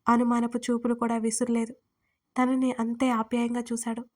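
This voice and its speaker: Woman reading an audio story aloud, steady and unhurried, kinda high, flat tone. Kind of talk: scripted narration.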